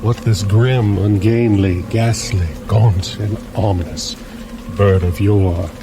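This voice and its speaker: Slow theatrical man reading gothic poetry. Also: lowish voice, steady tone. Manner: theatrical, drawn-out delivery. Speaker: podcast host. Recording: music bed under the voice. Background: soft instrumental music.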